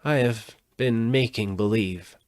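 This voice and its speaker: A man's voice: mid-range voice, slow pace, dry recording, studio quality, close to an everyday voice. A man reading a storybook aloud, voicing a meek, cowardly little old humbug wizard with a trembling, pleading voice. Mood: meek, hushed.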